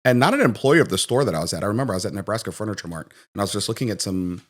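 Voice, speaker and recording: A man's voice: lowish voice, very fast. A Jamaican-born man raised in Florida, a guest on a podcast, telling stories and acting out the people in them. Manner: animated storyteller, acts out quoted voices. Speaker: guest, financial professional. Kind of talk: conversational podcast interview.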